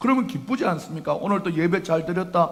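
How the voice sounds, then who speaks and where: Audible room echo surrounds a man speaking at a high pitch. He talks fairly quickly with lively intonation. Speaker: pastor. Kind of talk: sermon. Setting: church. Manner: fast.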